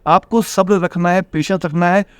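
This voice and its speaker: A man's voice: high-pitched, steady tone, normal speed, smooth, dry recording. A man from Bihar, a trader and coaching teacher, earnestly giving advice as a guest in an interview. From Bihar, India. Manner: earnest, advice-giving, calls the host brother. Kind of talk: casual interview talk.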